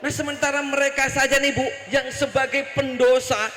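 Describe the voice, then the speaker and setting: A male preacher telling a story to a congregation, acting out the characters' lines as he swings between weepy pleading and angry shouting, heard over a public-address system. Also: very high-pitched, fairly even intonation, normal speed, some chatter behind, slight background noise. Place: outdoor gathering in a town square. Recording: echoey public-address sound with long reverb.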